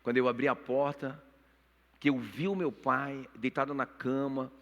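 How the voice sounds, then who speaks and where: A man's voice: medium pitch, steady tone, moderate pace, lo-fi sound. A middle-aged man preaching a sermon and telling a personal story with strong emotion, often turning to speak straight to the congregation. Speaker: pastor. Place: church auditorium. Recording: long reverb of a church hall.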